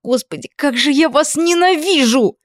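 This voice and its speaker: A woman voicing a furious young woman who shouts accusations in a raised, shrill voice in an audiobook. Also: measured pace, slightly rough, dry recording. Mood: furious shouting. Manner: shouting, high and shrill, barking.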